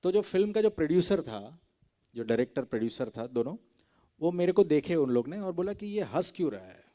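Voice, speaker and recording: Man sharing his testimony with a youth crowd, slightly high voice but soft and mellow, keeps asking "right?" as he goes. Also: animated, fairly quick. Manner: chatty storytelling, constantly checking in with "right?". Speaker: guest speaker sharing a testimony.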